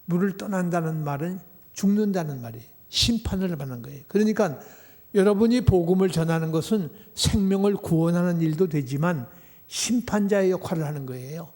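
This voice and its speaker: A mellow, warm-voiced man preaches a sermon, his pitch sitting a little on the high side. He keeps turning to his listeners with rhetorical questions. The sound carries a long church-hall reverb. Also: animated, brisk. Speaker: pastor. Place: church sanctuary.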